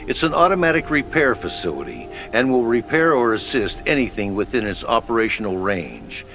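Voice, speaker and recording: A man voicing a gruff headquarters radio officer who speaks in wry, curt radio talk. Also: mid-range voice, sing-song, fairly quick. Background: loud game score music.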